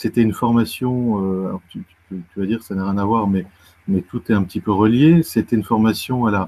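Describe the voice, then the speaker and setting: In a dry, close sound with no echo, a man with a dark, mellow tone and fairly low pitch speaks at a fairly quick pace with ordinary pitch variation and big swings in loudness. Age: 30s. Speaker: alternative health practitioner. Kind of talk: interview. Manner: hesitant, many fillers.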